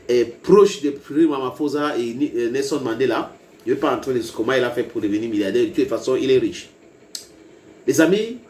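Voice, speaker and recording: A male online political commentator and native English speaker records video commentary in an echoey room with faint ambience. His fairly high, slightly mellow voice is emphatic, rising into heated bursts as he addresses viewers directly.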